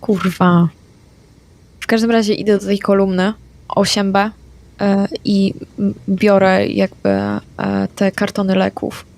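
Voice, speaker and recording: A woman playing a tabletop game, speaking her character's lines in a brisk, matter-of-fact way. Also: medium pitch, animated, a little mellow. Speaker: player.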